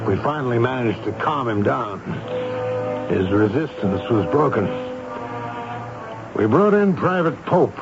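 An actor playing a stern, sardonic army major who interrogates and narrates in a formal, commanding way in a radio drama. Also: male voice, mid-range voice, expressive, a little slow, pauses often. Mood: measured narrating. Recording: dull radio broadcast recording, loud music behind.

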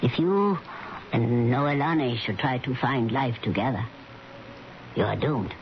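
Man playing a stern proud island royal, very slow solemn doom talk, muffled radio drama. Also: medium pitch, natural voice. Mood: solemn, foreboding. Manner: solemn, declamatory, ominous. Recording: muffled radio broadcast with faint hiss.

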